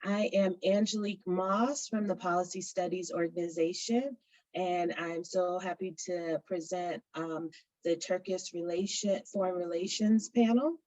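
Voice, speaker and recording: A woman's voice: on the low side, unhurried, darkish tone, no room sound. A woman introducing the speakers as a panel moderator, friendly and stumbling over names. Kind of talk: formal introduction. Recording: dull, dry lo-fi audio.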